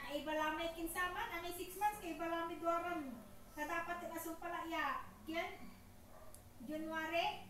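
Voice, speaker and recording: A woman with a high voice chats informally, often pausing as she thinks aloud. The recording is very echoey and noisy, and she sounds away from the microphone. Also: a bit bright, distant mic. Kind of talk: casual chat about loan payments and charges.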